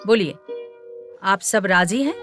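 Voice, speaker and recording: A woman's voice: mid-range voice, lively intonation, fairly bright tone, soft background music. An actress dubbing a stern middle-aged queen mother choosing her son's bride. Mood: commanding. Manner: commanding, deliberate. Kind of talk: dubbed film acting.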